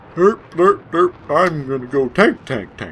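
A man puts on a character voice at a fairly high pitch. He delivers it at a fairly slow pace. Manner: dopey, dumb, repetitive.

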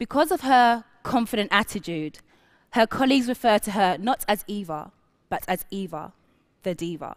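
A woman talks at a moderate speed. Nothing can be heard behind her. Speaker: conference speaker. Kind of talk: prepared talk telling a workplace story. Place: stage. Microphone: headset.

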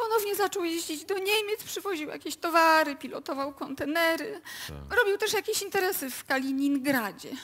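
A woman's extremely high-pitched voice at a fairly quick pace with lively intonation. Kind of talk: radio drama dialogue.

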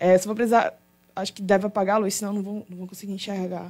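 Against a quiet background, a woman speaks very fast at a medium pitch, her intonation flat and monotone. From Northeast Brazil. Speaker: young scientist, app founder; panelist. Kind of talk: panel talk. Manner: hesitant, many fillers. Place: hall.

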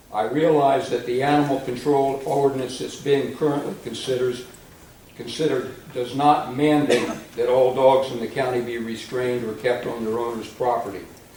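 A man's medium-pitched voice at a moderate pace, with fairly even intonation, noticeable background noise and audible room echo. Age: 70s. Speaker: public commenter at county meeting. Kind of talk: prepared public comment. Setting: county commission meeting. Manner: formal.

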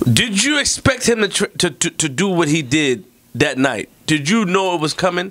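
With a New York accent, a man talks at a moderate pace in a high, bright, sharp voice whose pitch swings very widely. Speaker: podcast host; podcast host or guest. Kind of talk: casual chat. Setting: studio. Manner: animated. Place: studio. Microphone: studio mic.

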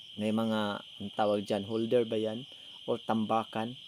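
A man with a Visayan accent, medium pitch and a fairly slow pace. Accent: Visayan-accented Tagalog. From Mindanao, Philippines (Agusan del Sur). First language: Cebuano (Bisaya) (speaking Tagalog). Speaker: farmer vlogger. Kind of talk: casual vlog voice-over. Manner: halting, many fillers.

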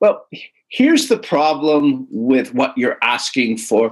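A man speaks with a Canadian accent at a fairly slow pace. The background is quiet. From Canada. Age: 60s. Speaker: sports columnist; guest. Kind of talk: interview. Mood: skeptical, opinionated. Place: home room.

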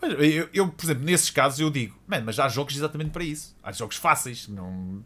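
A man's bright, sharp voice, fairly high in pitch, with lively intonation and a fairly quick pace. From Portugal. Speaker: gaming podcast host; podcast host. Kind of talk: casual chat; casual podcast interview conversation. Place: home room. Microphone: studio mic.

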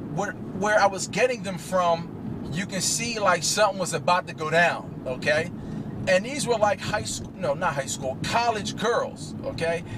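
A man talks at a fairly slow pace, with noticeable background noise in the recording. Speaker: rideshare driver vlogger. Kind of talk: casual vlog chat. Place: car. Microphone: phone near.

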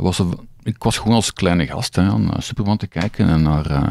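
Recorded dry with no echo, a man with an ordinary speaking voice talks at a fairly quick pace with lively intonation. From Belgium, Limburg; Belgium. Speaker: comic artist. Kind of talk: casual chat. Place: studio. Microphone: studio mic.

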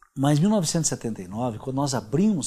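This man's voice has a dark, mellow tone and is somewhat breathy. He speaks at a fairly slow pace. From northern Paraná, Brazil. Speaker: former political prisoner. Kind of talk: testimony.

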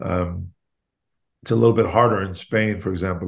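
Speaking at a fairly quick pace with an American accent, a man uses a fairly low voice against a quiet background. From United States. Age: 50s. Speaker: former basketball player and commentator; commentator. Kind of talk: casual interview. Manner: animated. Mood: relaxed, conversational. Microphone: video call.

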